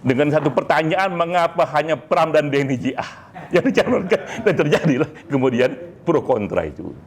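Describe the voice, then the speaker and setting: A man giving an informal, emphatic monologue to a community, with deliberate pauses and small tag words. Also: a little high, lively intonation. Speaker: speaker, leader of a poetry community.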